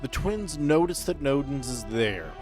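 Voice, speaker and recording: A man acting as game master, narrating a tabletop role-playing story deliberately, in short dramatic phrases. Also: mid-range voice, animated, music in the background.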